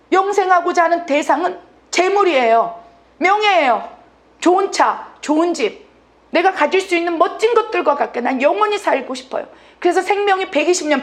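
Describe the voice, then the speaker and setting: A woman preacher acting out a brash, worldly man who turns his back on God. He talks in a high, insistent, boastful voice. He is set on riches and living forever. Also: a little mellow, natural voice. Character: defiant worldly man rejecting God for wealth.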